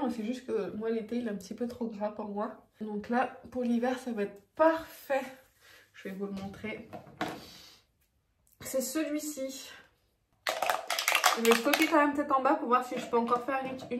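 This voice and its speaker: A woman with a slightly high voice chats casually as a beauty vlogger, filling her talk with little fillers and laughs. Her voice rings in an echoey room at home, with faint background noise. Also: moderate pace. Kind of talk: casual vlog chat.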